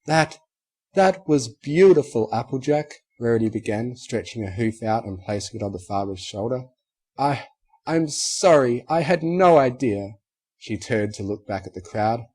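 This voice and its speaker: A man voicing a refined, fashionable female unicorn who speaks in a high, choked-up voice. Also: fairly even intonation, normal speed, few pauses, a little mellow, breathy edge. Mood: emotional.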